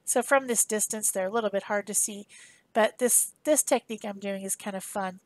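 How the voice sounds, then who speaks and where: A woman's voice: medium pitch, a little fast, no room sound. A woman giving a casual, chatty voice-over for a craft demonstration, explaining informally as she goes. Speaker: craft tutorial host.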